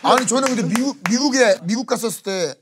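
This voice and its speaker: A man in a casual group chat, animated and curious, asking questions. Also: very high voice, fast.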